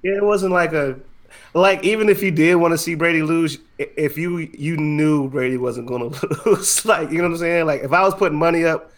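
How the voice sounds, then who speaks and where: Informal American man, slightly high voice. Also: fairly quick. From United States, military family. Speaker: podcast co-host. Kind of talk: casual podcast chat.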